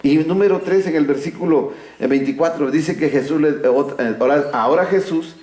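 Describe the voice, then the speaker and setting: A man's voice: fairly high pitch, a little fast, darkish tone. A man preaching a sermon, emphatic and full of rhetorical questions to the congregation. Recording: echoey church room.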